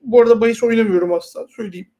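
A woman's voice: fairly high pitch, racing, mellow. A woman co-hosting a casual talk, giving informal, sardonic commentary and explaining her points at length. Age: adult past university years. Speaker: co-host.

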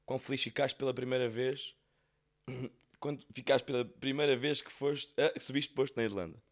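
A man's voice: mid-range voice, steady tone, normal speed. Man, European Portuguese accent, podcast host, joking, easygoing, reads questions. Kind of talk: casual conversation.

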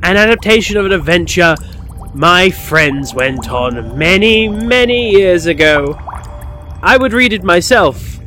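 A man playing a theatrical, hesitant wizard in an audio pantomime, with dramatic pauses. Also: high voice, expressive, sharp tone, full character voice. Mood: evasive, persuading. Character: Merlin, theatrical male wizard, hesitant and scheming. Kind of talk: pantomime radio acting. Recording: long hall reverb, music underneath.

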